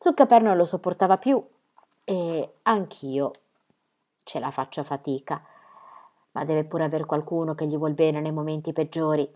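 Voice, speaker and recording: A woman voicing a calm, loving mother in a reading of a children's story, speaking slowly and softly. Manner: slow, calm, low and soft. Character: calm, loving mother Lovisa, steady and wise.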